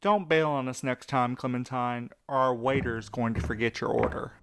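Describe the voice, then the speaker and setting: A man's voice: mid-range voice, normal speed, vocal fry, noisy background, lightly acted. A man playing a playful, teasing, dramatically squeamish courier in an audio drama. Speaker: voice actor.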